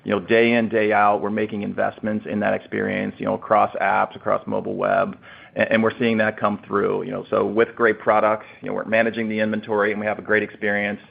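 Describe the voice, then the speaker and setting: Male finance executive, quick and husky, speaking informal business talk over a thin call line. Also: lowish voice, completely flat delivery. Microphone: conference call line. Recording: narrow, tinny phone-line sound.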